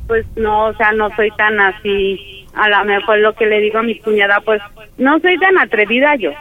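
Woman, forties, mid pitch, phone-line sound, shy rambling talker. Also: normal speed. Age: 40s. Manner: rambling, shy, giggly, many fillers. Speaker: caller on the phone.

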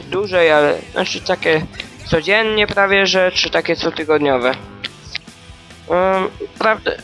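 A man with a somewhat high-pitched voice rambles through a solo podcast. He talks loosely and hesitantly, restarting thoughts and filling pauses. Faint music plays in the background. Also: fairly bright tone. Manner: hesitant, meandering, with many fillers and restarts. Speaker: podcast host.

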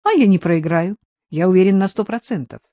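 A woman's voice: lowish voice, expressive, a little fast, dark tone, no echo. A woman voicing a playful, self-assured male lawyer in an audiobook reading. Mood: teasing.

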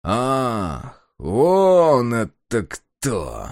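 A man voicing a gruff, menacing gang leader in an audiobook, slow and threatening. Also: mid-range voice, huge pitch swings, darkish tone, no echo, studio quality, full character voice.

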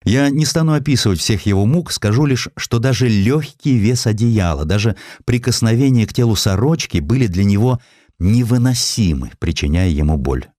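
Male audiobook narrator, deep register, highly animated intonation, theatrical storytelling, very dry studio sound. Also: normal speed, no room sound. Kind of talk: dramatic scripted literary narration.

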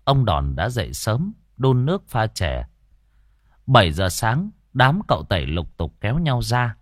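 A male storyteller reads a ghost story. His low voice moves lively and expressively. It sounds close and dry, with no room around it. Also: a little slow, no echo.

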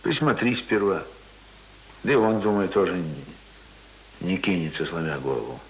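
A man's voice: deep voice, normal speed, rough recording. A man acting a talkative, coaxing village brother in a naturalistic radio play, speaking colloquially and hesitantly. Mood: coaxing, explaining. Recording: hissy old radio recording.

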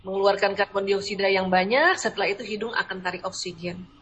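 A woman's voice: mid-range voice, fairly even intonation, fast talker, a bit bright. A middle-aged woman giving an Islamic lecture, asking her listeners questions and answering them herself. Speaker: preacher.

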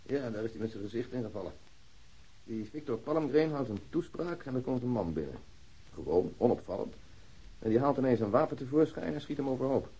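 A slightly husky police detective in a radio crime drama. He is dry and sardonic, setting out facts in an orderly, matter-of-fact way. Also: medium pitch, expressive, brisk, warm tone, muffled recording. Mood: wry, businesslike.

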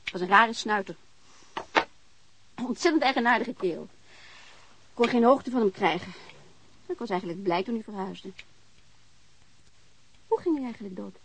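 A woman's voice: medium pitch, expressive, normal speed, long pauses, husky, poor audio. An actress playing an outspoken, chatty young landlady in a naturalistic radio drama, talking bluntly and informally with earthy swearing. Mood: frank, chatty.

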